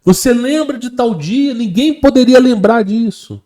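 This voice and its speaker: A demon disguised as someone's grown child, begging and insisting to be let inside, in a voice pushed far up into a thin, high register, as a man puts it on. The mellow tone stays dark underneath, and the pitch swings widely with each plea. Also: lively intonation, a little slow. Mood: pleading. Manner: pleading, insistent.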